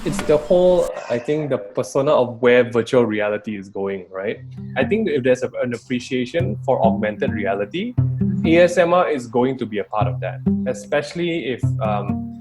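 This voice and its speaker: A man's voice: mid-range voice, lively intonation, moderate pace, low-quality recording. A man giving a casual interview, thinking aloud in informal, conversational phrases. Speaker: interviewed guest, YouTuber. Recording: loud guitar music behind voice. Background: guitar music.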